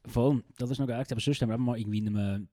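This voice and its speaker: A young man with a Swiss German accent and a dark, mellow tone talks quickly and easily. He asks questions and restarts his sentences a lot. The recording is close and dry. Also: mid-range voice, fairly even intonation, no room sound. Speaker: podcast co-host. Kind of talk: casual chat.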